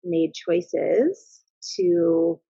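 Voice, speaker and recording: Woman, 30s, podcast guest, gravelly, earnest, reflective. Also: fairly low pitch, very animated, drawn-out words, warm tone, dry recording. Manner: thoughtful and earnest, with frequent restarts. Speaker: podcast guest, mother and business owner. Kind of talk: casual reflective interview talk. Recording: slightly dull, lo-fi sound.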